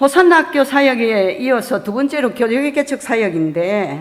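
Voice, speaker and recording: Her pitch swings very widely as a woman talks at a very slow pace. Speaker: retired missionary. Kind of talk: testimony at church prayer meeting.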